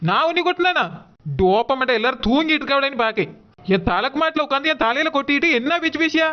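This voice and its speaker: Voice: high voice, animated, fast talker, lo-fi sound. A performer voicing a quarrelsome, scolding village woman in a cartoon, combative, with a southern Tamil Nadu accent. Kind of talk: Tamil cartoon character dialogue.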